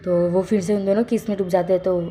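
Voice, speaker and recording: A young woman tells a fan fiction story in a loose, rambling way, filling gaps and correcting names as she goes. Her voice is soft and mellow, at an ordinary pitch. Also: steady tone, quick pace, a little hiss or hum. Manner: rambling, frequent fillers and self-corrections. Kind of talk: casual storytelling narration.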